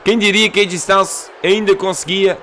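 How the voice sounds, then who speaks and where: A young Portuguese man commentating a video game in an excitable, loud way, swearing and mixing in English phrases, with faint music behind him. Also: high-pitched, moderate pace. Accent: European Portuguese. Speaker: gaming youtuber.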